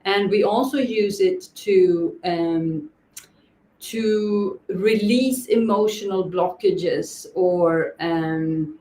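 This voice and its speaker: A woman's voice: mid-range voice, a little mellow. A woman teaching a live wellness masterclass, hesitant and searching for words as she explains. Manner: hesitant, many fillers and restarts, searching for words. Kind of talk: unscripted live teaching talk. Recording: echoey room.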